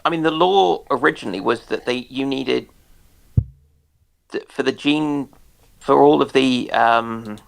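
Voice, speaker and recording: A man explaining things in a casual discussion, halting and careful as he searches for his words. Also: mid-range voice, creaky.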